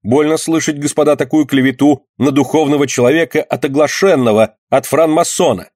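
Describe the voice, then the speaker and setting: A man voicing a sharp-tongued, pious young townswoman who scolds and accuses in a shrill way. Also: brisk, dry recording, studio quality, lightly acted. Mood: furious.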